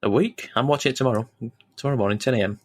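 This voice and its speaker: A man's voice: mid-range voice, rapid-fire. A man co-hosting a podcast, talking hesitantly with stumbling restarts. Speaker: podcast co-host. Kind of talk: casual podcast chat.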